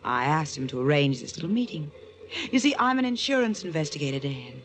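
A woman's voice: sits low, big pitch swings, fairly quick. An American actress playing a shrewd, self-assured female investigator in a 1940s radio drama. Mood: cool, amused.

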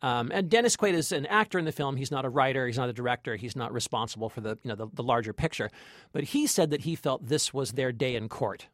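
A male film critic co-hosting a podcast, with a mid-pitched voice and a dry, close sound. He talks conversationally and reflectively, building emphasis through repeated phrases. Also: quick pace, fairly bright tone, no echo.

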